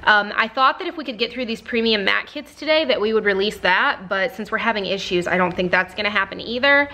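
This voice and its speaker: Speaking fairly quickly in a bright, forceful mid-range voice, this young vlogger and small shop owner talks from her home office into a camera mic. She's chatty and filler-heavy, and she slips into baby talk with her puppy.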